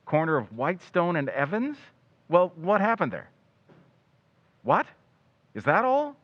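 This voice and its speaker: A man plays a grumbling, wisecracking press photographer in an old-time radio drama. He swings widely in pitch, mixing slang with mock-grand phrases. The sound is slightly muffled. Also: wildly swooping pitch, a little slow. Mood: grumbling, brisk.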